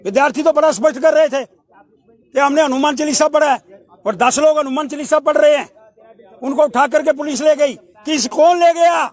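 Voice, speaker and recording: A man delivering an impassioned protest address in a forceful, demanding, declamatory way. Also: very high voice. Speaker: protest speaker.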